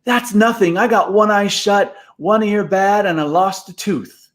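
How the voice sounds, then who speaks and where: A man voicing a cocky, excitable small boy who brags in a squeaky voice. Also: a little slow. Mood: boastful.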